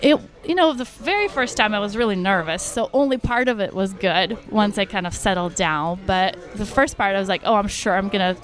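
A woman's voice: mid-range voice, fairly quick, few pauses. A woman from Russia who grew up speaking Russian, a podcast guest talking openly and frankly in casual chat. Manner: open, frank, talks freely with many likes and you knows.

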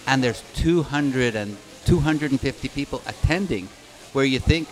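A man's voice: mid-range voice, moderate pace, low-quality recording. A man hosting a casual podcast with sponsor reads, recorded in a hotel lobby. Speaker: podcast host.

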